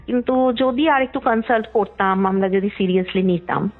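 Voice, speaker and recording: Talking at a normal speed in a mid-range voice, a young woman caller rambles through a casual story, often letting sentences trail off. Her tinny phone line carries faint background music.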